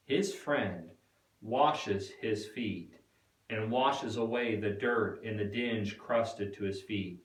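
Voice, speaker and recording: A man giving a dramatic scripted narration with deliberate, expressive storytelling. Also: mid-range voice. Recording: echoey room, distant mic.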